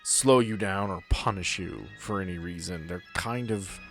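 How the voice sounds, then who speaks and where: A man running a tabletop game as game master, describing scenes in a relaxed way with dry humor. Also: sits low, normal speed, soft background music.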